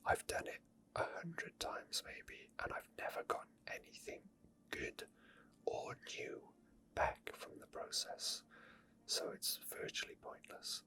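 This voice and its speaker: Barely voicing his words, a male game streamer whispers softly and breathily as he plays, offering unscripted ASMR commentary. His pace is unhurried, and his murmured, hesitant delivery wanders into frequent small asides.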